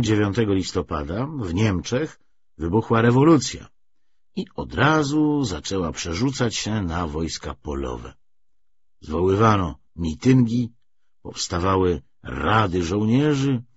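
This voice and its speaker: A man reading a literary audiobook in an expressive, measured, scripted narration style. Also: lowish voice, husky. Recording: dull, slightly muffled lo-fi audio.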